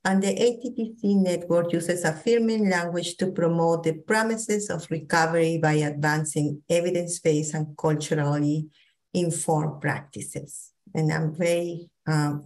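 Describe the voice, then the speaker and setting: A middle-aged woman from Peru with a thick Peruvian Spanish accent, presenting a training talk on a video call, pausing often with fillers and restarts. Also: deep voice, poor audio. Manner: warm, hesitant with many fillers and restarts. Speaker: psychologist presenter.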